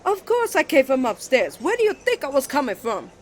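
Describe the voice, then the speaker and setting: Man playing a jealous, excitable young twin. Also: very high-pitched, a little fast, a little hiss or hum, full character voice. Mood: indignant. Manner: indignant, dramatic, stammering when flustered. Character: jealous, flustered young male student, protective twin brother. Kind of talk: ASMR romance roleplay.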